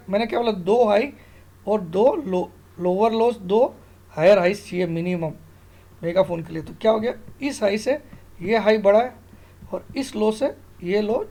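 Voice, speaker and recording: There's vocal fry in this middle-aged man's high, slightly mellow voice as he casually walks through trading charts on screen. A stock market analyst and online tutor, he's emphatic and sure of himself, often asking the listener questions and checking they follow.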